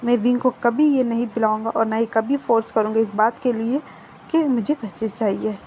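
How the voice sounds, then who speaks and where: A principled young husband speaks calmly and firmly in a storybook retelling, as a woman puts him on. The voice is high-pitched and mellow in tone. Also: normal speed, a little hiss or hum, natural voice.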